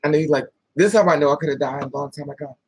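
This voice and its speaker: Husky woman telling a story. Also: low-pitched, racing, no echo. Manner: animated, profane, laughing asides. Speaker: vlogger telling a dating story. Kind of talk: casual storytelling with quoted dialogue.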